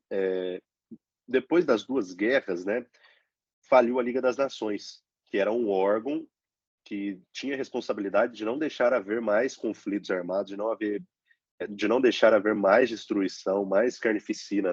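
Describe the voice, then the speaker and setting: Congested young man with a low voice. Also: darkish tone, breathy edge, dry recording. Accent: Brazilian Portuguese. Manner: slow, halting explanation with frequent "né?" fillers. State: congested, stuffy nose from a cold. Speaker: teaching assistant. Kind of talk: online review lesson. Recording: dull, lo-fi dry computer recording.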